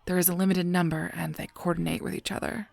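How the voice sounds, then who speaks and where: A woman playing a gentle, guarded guardian angel in a scripted audio roleplay, speaking softly and breathily in a measured, halting, solemn way. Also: lowish voice, little pitch movement, no echo. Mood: grave, careful. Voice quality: soft, breathy, often near a whisper.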